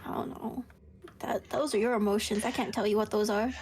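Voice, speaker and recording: A woman's voice: a little high, fairly even intonation, a little fast, a little mellow, a little hiss or hum. A woman playing a tabletop game, talking in character with a giggly, eager, teasing manner. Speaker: player.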